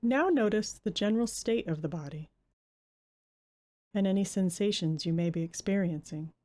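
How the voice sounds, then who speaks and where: A woman leading a guided Christian meditation, giving gentle, unhurried instructions with long pauses between phrases. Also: medium pitch.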